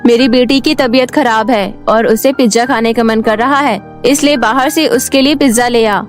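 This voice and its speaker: A bossy, cruel stepmother from a cartoon story, with a high, shrill voice as a woman puts her on. Faint music runs under her. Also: steady tone, normal speed, lightly acted. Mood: harsh. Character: cruel scolding stepmother, middle-aged, harsh.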